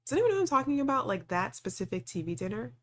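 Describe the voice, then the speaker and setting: A woman doing a let's play, reading a visual novel aloud and reacting with animated, exasperated casual asides. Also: on the high side, very fast, a little hiss or hum.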